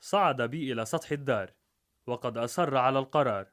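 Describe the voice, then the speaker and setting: A man narrating a rhymed story in a measured, rhythmic way. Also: mid-range voice, a bit bright.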